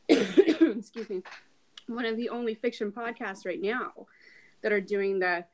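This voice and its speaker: A woman's voice: mid-range voice, measured pace. A woman hosting a podcast in casual chat, with an effusive, informal way of talking. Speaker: podcast host.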